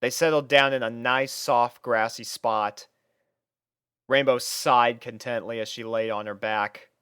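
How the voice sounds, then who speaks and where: Low-key male storybook narrator, dry sound. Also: fairly even intonation, a little slow, a bit bright, clear, resonant tone, dry recording. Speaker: fanfiction reader.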